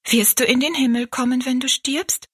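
Woman doing a devout little girl, high-pitched, slightly breathy, storybook. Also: steady tone, moderate pace. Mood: earnest. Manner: eager, sincere questioning. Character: earnest pious little girl, gentle and curious.

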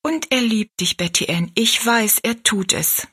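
Woman doing a devout little girl, high-pitched, slightly breathy, storybook. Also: unhurried, bright, forceful tone, heavily acted. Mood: earnest. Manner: eager, sincere questioning. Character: earnest pious little girl, gentle and curious.

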